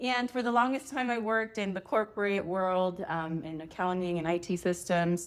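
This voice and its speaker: A woman with a plain, everyday voice speaks at a moderate pace with hardly any pauses, her pitch medium and its variation ordinary. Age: 30s. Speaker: entrepreneur. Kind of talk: podcast interview.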